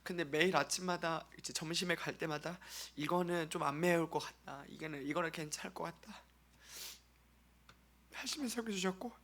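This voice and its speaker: Bright-voiced Korean man giving church testimony. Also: a little high, moderate pace. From South Korea. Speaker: church member reporting on a mission trip. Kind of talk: testimony presentation to a congregation.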